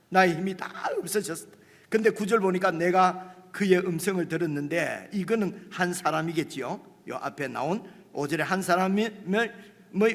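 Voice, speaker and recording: Husky-voiced male pastor preaching, high and lively, long echo of a church hall. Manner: animated, conversational preaching with rhetorical asides to the congregation. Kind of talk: sermon. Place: church sanctuary.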